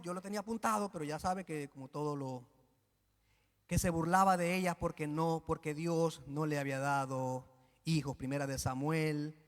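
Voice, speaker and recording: A man preaching a sermon in church, animated and joking with the congregation. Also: a little high, long reverb tail.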